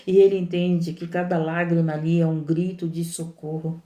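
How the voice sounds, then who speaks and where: A woman's voice: on the low side, level tone, normal speed, mellow, reverberant. A woman, a missionary preaching a sermon in an impassioned, repetitive, emphatic way.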